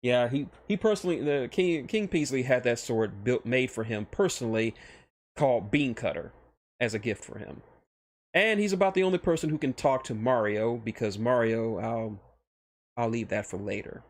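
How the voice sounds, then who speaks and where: A man streaming casual commentary on his own fictional characters, halting and often restarting his phrases as he explains. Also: mid-range voice, expressive.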